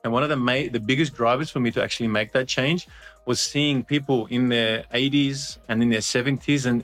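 A man's voice: medium pitch, a bit bright. Man telling his story. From Australia. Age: 40s. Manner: earnest, many restarts and fillers. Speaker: guest, company founder. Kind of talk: casual interview chat.

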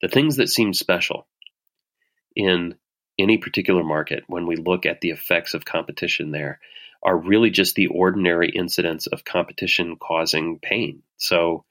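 A middle-aged man, an author being interviewed, explaining ideas in a hesitant, thoughtful way with many pauses and restarts. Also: sits low, fairly bright tone. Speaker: author and guest. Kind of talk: casual spoken explanation.

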